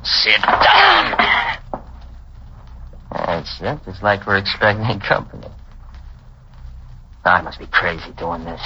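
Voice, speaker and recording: An actor playing a hard-drinking, mocking private detective in a 1940s radio drama, recorded on a dull old broadcast. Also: male voice, low voice, takes it slowly, long pauses, bright, forceful tone, a little hiss or hum, full character voice. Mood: menacing. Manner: mocking, swings from drawling to tense. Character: hard-drinking sardonic male snoop, menacing.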